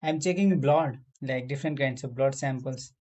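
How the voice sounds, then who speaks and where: A man with a South Asian accent chatting casually in halting English, repeating phrases as he goes. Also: medium pitch, a little mellow. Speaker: medical lab technician. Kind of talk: casual language-practice chat.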